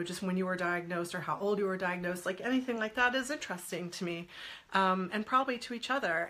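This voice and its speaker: A woman's voice: medium pitch, bright, forceful tone. A woman in her forties with a stuffy head cold, chatting casually on a live stream, laughing often and greeting viewers by name. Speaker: guest speaker on a live stream. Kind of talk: casual live-stream chat answering comments.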